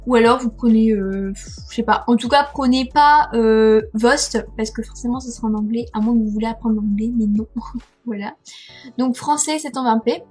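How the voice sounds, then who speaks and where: Young French-accented woman vlogger, hesitant and self-mocking, breathy voice, headset mic. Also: fairly high pitch, moderate pace, darkish tone, faint music behind. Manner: chatty, hesitant, many fillers and self-corrections; laughs at herself. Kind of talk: casual screen-recording tutorial.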